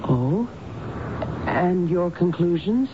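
An actress in a 1970s radio drama playing a troubled, weary married woman in therapy, speaking in a halting, deliberate way. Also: lowish voice, animated. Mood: tentative. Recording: dull, noisy 1970s radio broadcast.

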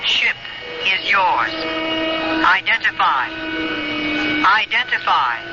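A woman's voice: medium pitch, sing-song, takes it slowly, very noisy. An actress playing a cold, terse female alien controller in a radio drama, giving imperious clipped commands. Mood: questioning, impersonal. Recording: muffled vintage radio broadcast with music.

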